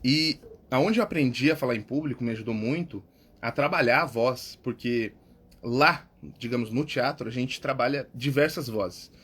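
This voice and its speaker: A man with a Brazilian Portuguese accent giving a casual lesson as a public speaking coach, repeating key words and tagging his phrases with quick check-ins. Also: mid-range voice, fairly bright tone, slightly rough. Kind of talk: casual instructional talk.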